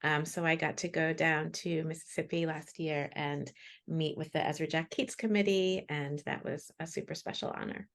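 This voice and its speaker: A woman's voice: low voice, steady tone, moderate pace. A woman speaking as a guest author in a casual video call interview, with an enthusiastic, emphatic way of talking. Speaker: children's book author and guest.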